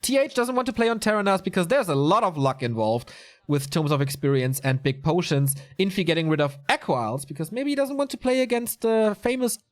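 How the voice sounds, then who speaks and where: A man casting a live strategy game tournament on his own. His voice sits a little high and swings freely up and down as he talks. He keeps things casual, stopping to chat with viewers between the calls. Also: a little fast. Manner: lively, chatty, answers viewer chat mid-commentary. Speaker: esports commentator. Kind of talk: solo live game commentary.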